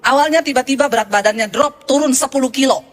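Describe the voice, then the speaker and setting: A woman's voice: sits high, quick pace, faint music behind. A woman pastor preaching a sermon, animatedly retelling congregants' testimonies.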